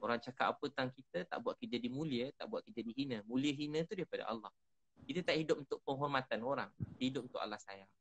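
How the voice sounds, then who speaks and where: A Malaysian man, a religious teacher, giving gentle religious advice in an earnest, pleading tone during a live online talk. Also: medium pitch, rapid-fire, rough recording. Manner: earnest, softly repeating prayers in a pleading tone.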